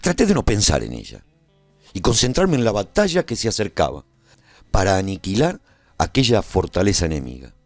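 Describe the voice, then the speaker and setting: Husky, dramatic warrior narrator. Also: male voice, fairly low pitch, wildly swooping pitch, no echo, faint music behind. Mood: tender, then resolute. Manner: theatrical, with measured dramatic pauses. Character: brave male warrior narrating his adventure, awed and lovestruck. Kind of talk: dramatic scripted first-person radio serial narration.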